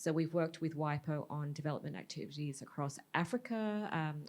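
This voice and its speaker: A woman with an Australian accent speaks at a very deep, low pitch. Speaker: copyright organisation representative. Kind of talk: conference presentation.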